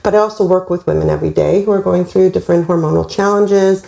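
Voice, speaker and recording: A woman in her mid-fifties speaks in a low, gravelly, mellow voice. She explains things in a measured and thoughtful way. The room around her sounds echoey. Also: fairly even intonation. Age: 50s. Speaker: holistic nutritionist. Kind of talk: panel discussion.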